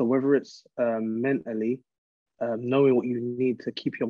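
The speaker has a London accent. The pace is fairly slow. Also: man. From London, England. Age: 30s. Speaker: professional footballer. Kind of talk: casual interview chat.

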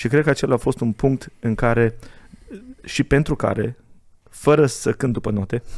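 The man's moderate-paced speech comes through over a quiet background. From Romania, Bihor (Ștei); Bihor, Romania. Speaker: evangelist and church elder; evangelist. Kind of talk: casual interview with preaching. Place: studio. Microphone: studio mic.

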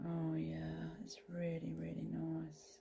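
A woman with a British accent speaks very slowly in a very deep, low voice, her intonation lively. Light background noise can be heard. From UK. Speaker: nail art YouTuber. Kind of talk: unboxing and swatching tutorial. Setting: home recording. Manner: animated. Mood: enthusiastic, chatty.

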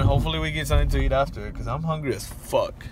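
A man, with noticeable background noise and a dry sound with no echo. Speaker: vlogger. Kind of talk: casual vlog chat. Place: car. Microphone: phone near.

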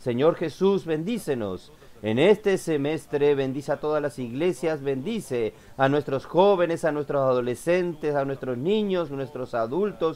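This man's voice has a dark, mellow tone. He talks at a fairly slow pace with lively intonation. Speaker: preacher at a church conference. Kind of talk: prayer. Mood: earnest, reverent. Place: hall. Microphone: headset.

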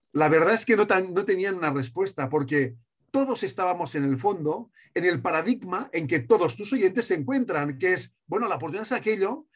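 Against a quiet background, a man with a high-pitched voice swings very widely in pitch. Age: 50s. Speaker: author and management consultant; interviewee. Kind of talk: interview. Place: home room. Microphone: video call.

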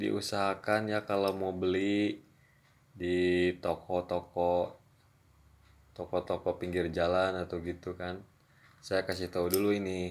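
A man with a very deep, low voice speaks very slowly in a flat monotone. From Sundanese region, West Java, Indonesia. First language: Sundanese (speaking Indonesian). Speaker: YouTuber reviewing tools, aspiring mechanic; YouTuber reviewing tools. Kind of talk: unboxing product review. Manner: halting, not fluent. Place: home room. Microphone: phone near.

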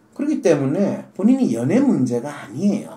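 In a room with audible echo, a man with a high voice talks at a fairly quick pace in an animated tone, his pitch swinging very widely. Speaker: psychology counseling show host. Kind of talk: casual counseling talk show discussion. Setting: studio. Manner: animated, teasing. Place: studio.

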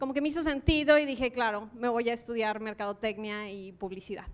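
With an ordinary speaking voice, a woman talks at a fairly quick pace and fairly high pitch, with ordinary pitch variation. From Durango, Mexico. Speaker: architect. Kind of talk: talk presentation. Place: hall. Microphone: handheld.

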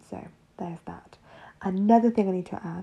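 A woman talks at a very fast pace in a fairly low pitch, with fairly even intonation. Her tone is dark, mellow and somewhat breathy. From England. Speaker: nail artist and educator; educator. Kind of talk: tutorial. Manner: quiet; casual, chatty. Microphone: phone near.

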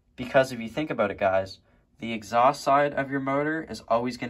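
The background is quiet as a man speaks at a moderate pace. His pitch variation is ordinary. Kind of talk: tutorial. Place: workshop. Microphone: phone near.

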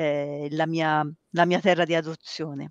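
A woman speaks at fairly low pitch with fairly even intonation. The background is quiet, and the sound is dry with no echo. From Tuscany. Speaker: university rector and statistics professor; statistics professor. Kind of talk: interview. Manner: halting, many fillers. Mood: calm, cordial. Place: office. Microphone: headset.

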